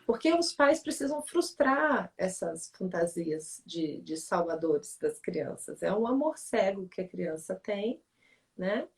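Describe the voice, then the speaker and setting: A woman talks through family relationships in a calm, teacherly way, her voice sitting at an ordinary middle pitch. She keeps checking in with her listener. The mic is set a little way back from her, so she sounds slightly removed. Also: takes it slowly, gravelly. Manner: reflective, teacherly, frequent "né?" check-ins. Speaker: author and family-relations speaker in a livestream. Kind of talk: explanatory talk in a live conversation. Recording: voice somewhat distant from the mic.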